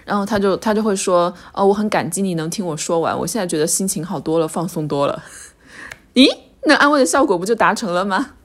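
A woman co-hosting a podcast, chatting casually, earnest and quick to laugh. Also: fairly low pitch, lively intonation. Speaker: podcast co-host. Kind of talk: casual chat.

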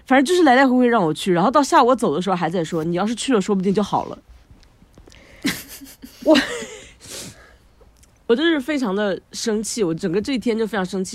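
A woman co-host recounting a story in casual chat, lively and quick to laugh between sentences. Her voice sits at a middling pitch. The recording is dry, with no room sound. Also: no room sound. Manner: animated, frequent laughter, many fillers. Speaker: podcast co-host.

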